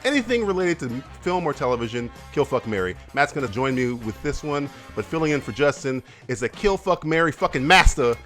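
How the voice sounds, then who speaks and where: A man hosting a podcast in casual, profane banter, excitable and laughing often. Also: on the high side, brisk, few pauses, soft background music. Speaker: podcast host.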